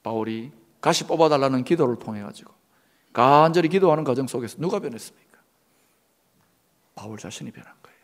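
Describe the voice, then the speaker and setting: A middle-aged pastor preaching a sermon, acting out prayers in loud pleading bursts and dropping to a near whisper. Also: male voice, medium pitch, lively intonation, fairly quick, pauses often. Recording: long hall reverb.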